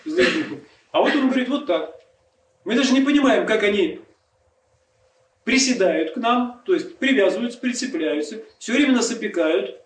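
A man preaching a sermon, explaining earnestly and asking rhetorical questions. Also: high-pitched. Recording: echoey room, distant mic, faint noise.

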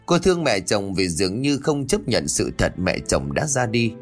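Guy reading a drama story, husky voice, swings up and down a lot, quiet music behind. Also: lowish voice, big pitch swings, moderate pace. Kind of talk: scripted dramatic story narration. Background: faint music.

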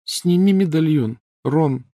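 A man's voice: a little high, slow pace, dark tone, no room sound, clean studio sound, pitched above the performer's own voice. Hermione, a man voicing a pleading teenage girl. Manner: pleading, thin-voiced.

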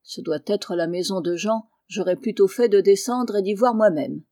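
A woman voicing a kindly, blunt middle-aged male farmer in an audiobook, speaking low and hushed. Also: normal speed, no echo, studio quality, close to an everyday voice. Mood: gruff. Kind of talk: audiobook character reading.

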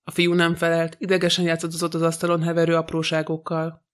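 A man narrating an audiobook in an even, unhurried reading voice. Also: fairly high pitch, clear, resonant tone. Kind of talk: scripted narration.

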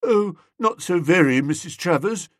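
A jittery young man who stammers and keeps apologizing, his voice jumping about in pitch, as a male reader puts him on. he sounds eager to please. the recording is close and dry. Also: lively intonation, moderate pace, fairly bright tone, dry recording. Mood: apologetic.

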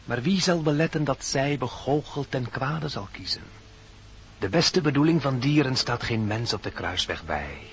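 A man speaks as a wise, solemn male deer, the oracle of old dreams, in a radio drama full of cryptic, poetic incantations. His medium-pitched voice is sing-song at normal speed, with a little hiss or hum on the dull vintage recording and a solemn, foreboding mood.

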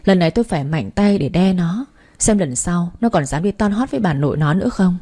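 A woman's voice: on the low side, lively intonation, brisk, dark tone. A woman reading a dramatic first-person story as narrator.

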